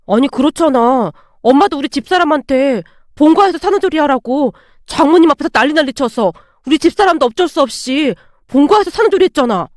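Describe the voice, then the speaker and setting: A woman's voice: sits high, expressive, a little fast, few pauses, darkish tone, no echo, clean studio sound. A woman voicing a sarcastic adult son who needles his mother with taunting remarks. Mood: sneering.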